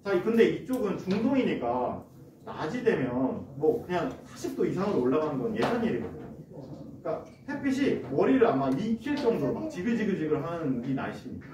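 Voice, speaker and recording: A male pastor telling a Bible story to children in an animated way, acting out the characters as he goes. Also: fairly high pitch, fairly quick. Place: church sanctuary. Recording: echoey church hall from far off, background noise.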